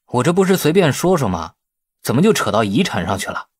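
A man's voice: medium pitch, very animated, a little fast, breathy edge. A man voicing a brash, irritable, defensive man who grumbles colloquially in an audiobook. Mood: irritated. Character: brash, irritable man in a family inheritance feud. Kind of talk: audiobook character acting.

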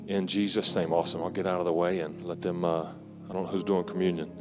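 A man in his forties preaching on an arena stage with a handheld mic, speaking earnestly and softly with many pauses. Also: deep voice, flat delivery. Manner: earnest, soft-spoken, pausing often with fillers. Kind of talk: closing exhortation at a conference. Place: large indoor arena stage. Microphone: handheld microphone. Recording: live music under the voice. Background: worship music.

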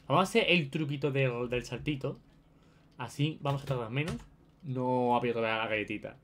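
A man's voice: mid-range voice, a little fast, a little hiss or hum. A young man with an accent from Spain giving casual, chatty gameplay commentary to his viewers, often repeating his phrases. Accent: Spain Spanish. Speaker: gaming video host.

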